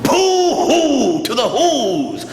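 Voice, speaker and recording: A man giving a dramatic, highly expressive storybook narration in a theatrical manner. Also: very slow, gravelly, noisy background. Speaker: actor giving a dramatic reading. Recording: echoey reverberant room, music behind.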